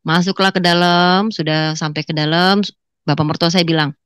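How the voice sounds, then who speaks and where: Woman giving a lively church testimony. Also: on the low side, normal speed, clear, resonant tone, dry recording, studio quality. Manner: lively storytelling, often addressing listeners as brothers and sisters; acts out quoted dialogue in colloquial slang. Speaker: testimony speaker. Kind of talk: personal testimony to a congregation.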